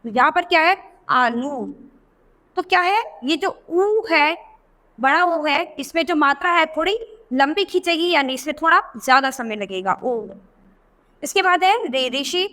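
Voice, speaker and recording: A woman teacher patiently explaining vowel signs to young children, often asking questions and drawing out sounds slowly. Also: high voice, lively intonation, sharp tone, long reverb tail. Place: teaching video voice-over.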